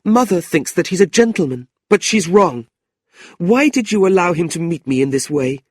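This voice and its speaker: A man voicing a proud, indignant young woman who speaks high and slow. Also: big pitch swings, no echo, clean studio sound.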